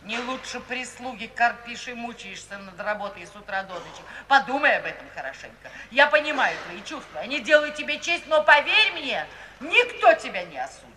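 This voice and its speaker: A woman's voice: on the high side, big pitch swings, fairly quick, sharp tone. An actress playing a worldly middle-aged mother in an old radio play, with an emphatic, pleading theatrical delivery. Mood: coaxing, persuasive. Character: worldly middle-aged mother, brothel owner, coaxing and defensive. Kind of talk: 1950s Russian radio theatre acting. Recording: echoey, distant 1950s radio play with hiss.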